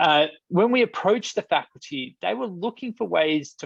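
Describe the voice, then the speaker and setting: Recorded with a dry, close sound and no echo, a man with an Australian accent speaks with lively intonation. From Australia (Wagga Wagga, NSW). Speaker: company CEO and co-founder. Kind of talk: webinar presentation.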